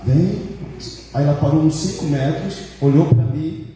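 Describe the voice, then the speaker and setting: A man, a pastor, telling a personal story in a sermon, animated and repetitive, full of fillers. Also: fairly high pitch, a little slow. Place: church hall. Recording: echoey church hall, mic far off.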